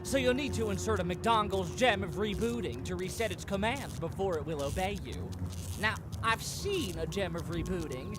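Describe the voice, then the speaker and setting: An actor playing a flamboyant, melodramatic, effete wizard with a theatrical, swooning manner in a comic fantasy game. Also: male voice, high-pitched, animated, moderate pace, loud music behind the voice. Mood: fussy, dramatic. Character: flamboyant, melodramatic, effete male wizard mourning his stolen familiar.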